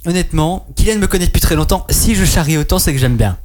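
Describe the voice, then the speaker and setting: A man's voice: on the high side, expressive, quick pace, a little mellow, a little hiss or hum. A young man hosting a radio show in casual chat, teasing his guests and laughing often.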